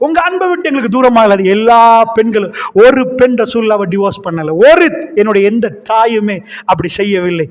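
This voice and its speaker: A man preaching an impassioned sermon, telling stories with rising fervor that builds to loud cries. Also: high voice. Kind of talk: Islamic sermon. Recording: reverberant hall sound, muffled lo-fi.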